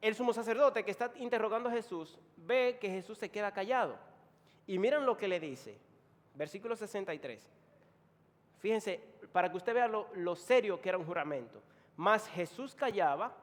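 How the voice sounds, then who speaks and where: Male preacher, Dominican accent, emphatic sermon, high-pitched, echoing hall. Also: expressive, normal speed. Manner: emphatic, swings from quiet to loud. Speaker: pastor. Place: church.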